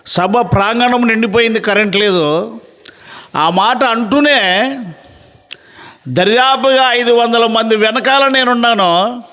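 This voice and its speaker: A man's voice: high-pitched, fairly bright tone, long reverb tail. A man preaching a sermon as pastor, giving orders to his readers in a stern voice that rises to emphatic declarations. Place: church meeting.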